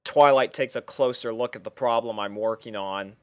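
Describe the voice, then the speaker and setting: A man's voice: medium pitch, moderate pace, clear, resonant tone, no echo. A man reading a first-person fan fiction story as narrator, dramatising the character's thoughts.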